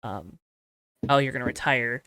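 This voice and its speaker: A young man hosting a casual podcast, with a high-pitched voice, chatty and rambling with fillers. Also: normal speed, pushed and bright, clean tone, dry recording. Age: young adult. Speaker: podcast host.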